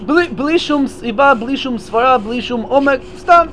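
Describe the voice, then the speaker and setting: A man with a raised, fairly high voice delivers a Torah lecture at a memorial gathering. He builds his explanation step by step, repeating and restarting words as he thinks. A faint background hum sits under the speech. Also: a bit bright.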